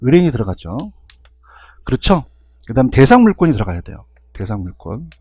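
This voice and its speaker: Husky, animated male exam lecturer. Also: medium pitch, a little fast, dry recording. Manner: constant rhetorical questions and check-ins to students.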